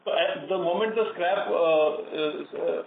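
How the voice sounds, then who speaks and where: A man with an Indian accent, a company executive answering investor questions on a conference call in a halting way, often repeating words. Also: fairly high pitch, gravelly. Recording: tinny phone line, roomy echo, distant, noisy.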